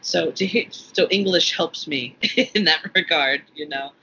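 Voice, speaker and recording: Pushed and bright, a fairly high male voice speaks at a measured pace on a podcast he co-hosts. He's casual and rambling, often starting over and laughing easily; the recording sounds dull and lo-fi, with faint room noise.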